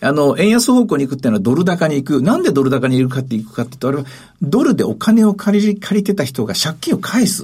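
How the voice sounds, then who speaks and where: This man talks very fast at a fairly high pitch, his voice swinging very widely up and down. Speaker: financial strategist, show personality. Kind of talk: live radio market analysis. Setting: studio.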